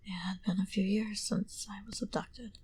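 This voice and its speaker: A woman playing a wistful female vampire in an ASMR roleplay, confiding her backstory in an intimate, breathy whisper. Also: medium pitch, steady tone, darkish tone. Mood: grave, confiding. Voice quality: breathy, mostly unvoiced whisper. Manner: slow, intimate, confiding delivery.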